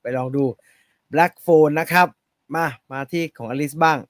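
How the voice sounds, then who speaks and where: A man co-hosts a relaxed film chat, blunt and emphatic. He leans on slang. His voice is dry and close to the mic, with no room sound. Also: on the high side, measured pace, no echo. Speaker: co-host. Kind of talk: casual film review chat.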